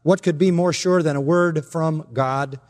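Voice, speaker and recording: A male pastor delivers an emphatic expository sermon and rattles off scripture references. His voice sits high for a man. A long reverb from the church hall hangs after his words. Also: fairly even intonation, measured pace, a little mellow.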